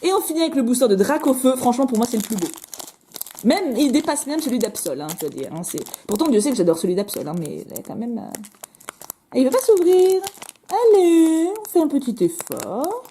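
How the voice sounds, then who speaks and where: Chatty french woman opening card packs, kinda high voice, bounces all over the place. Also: sing-song, warm tone, slight background noise. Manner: chatty, bubbly, self-mocking, quick asides. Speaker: card-opening video host. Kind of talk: casual chat while opening cards.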